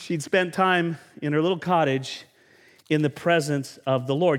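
An animated tone at a moderate pace. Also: man. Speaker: pastor. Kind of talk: sermon. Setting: church. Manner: loud.

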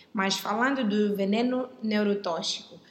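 Over noticeable background noise, a woman speaks at a medium pitch. Her pace is very slow and her intonation is monotone and flat. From Mozambique. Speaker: physician. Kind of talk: medical interview.

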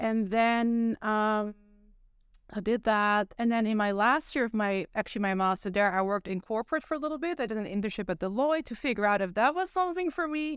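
With a Dutch accent, a woman speaks fairly quickly in a fairly high voice with lively intonation. The recording is very clean, with a silent background. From Netherlands. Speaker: PhD student guest. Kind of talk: casual interview conversation. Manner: casual, filler-heavy, laughs often.

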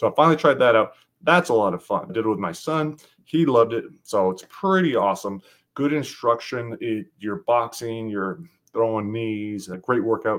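Here a man with a medium pitch uses lively intonation at a moderate pace. It is an ordinary speaking voice. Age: 50s. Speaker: horror author and podcast host. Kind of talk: casual monologue.

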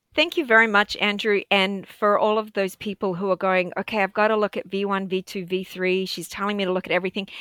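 Her bright, sharp voice at medium pitch races along at a very fast pace with hardly any pauses, in a very clean recording with a silent background and a dry, close sound with no echo. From Australia. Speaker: neuroradiologist professor. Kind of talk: interview.

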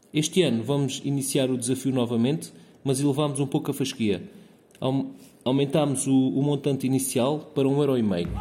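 At a fairly quick pace, a man of medium pitch speaks in a dark, mellow tone with ordinary pitch variation. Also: very even loudness. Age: 30s. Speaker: listener. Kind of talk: recorded listener testimony.

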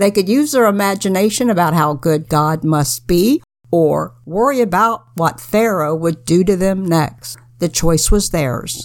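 A woman with an unremarkable speaking voice talks at a fairly slow pace, using lively intonation, a fairly low pitch and very even loudness. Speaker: co-host. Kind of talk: casual devotional commentary.

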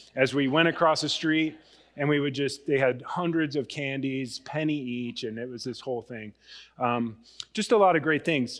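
The speaker has a West Coast accent. The pace is moderate. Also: man, ordinary pitch variation. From Oregon, near Portland. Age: 40s. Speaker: pastor. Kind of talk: sermon. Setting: church. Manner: halting.

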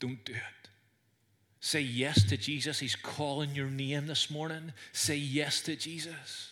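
This man's voice is fairly high, with a bright, sharp tone. He talks at a fairly slow pace with fairly even intonation. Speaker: pastor. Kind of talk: sermon. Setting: church.

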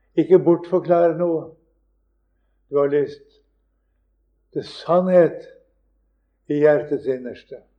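Pitched fairly high, a man talks at a fairly slow pace. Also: long, frequent pauses. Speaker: preacher. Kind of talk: sermon.

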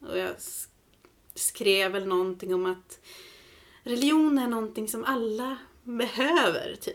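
Lively in intonation, a woman with a plain, everyday voice speaks at a fairly high pitch. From northern Sweden, Skellefteå area (Norrland coast). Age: 30s. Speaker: podcast host, former believer. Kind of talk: personal testimony in interview.

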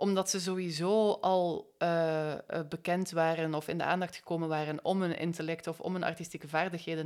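A woman talks at a fairly quick pace with a fairly low pitch. Her intonation stays monotone and flat. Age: 30s. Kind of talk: casual chat. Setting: home studio.

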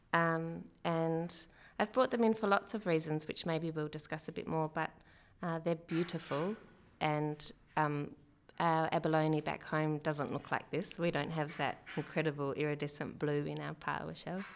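A woman at a fairly slow pace, fairly low in pitch, with fairly even intonation, on a very clean recording with a silent background. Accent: Australian. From Australia, Victoria. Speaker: writer. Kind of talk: casual interview.

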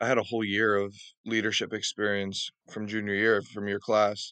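Against a quiet background, a man with a fairly low, bright, sharp voice talks at a fairly quick pace, the sound dry and close with no echo. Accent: American. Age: young. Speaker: former student and college athlete. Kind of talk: interview.

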